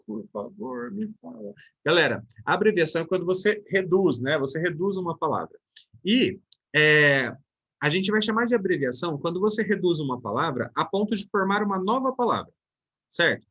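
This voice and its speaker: A man's voice: a little high, lively intonation, fairly quick, a bit bright, husky. A male teacher giving a casual grammar lesson, talking to his students as a group and answering his own questions. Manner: chatty, addresses students as "galera", asks and answers own questions.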